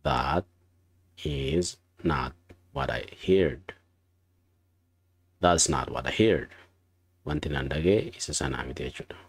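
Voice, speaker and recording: A man whose first language is Oromo teaching English phrases in a slide-based lesson, repeating each example sentence slowly and carefully. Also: a bass voice, husky, dry recording. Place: voice-over on slides.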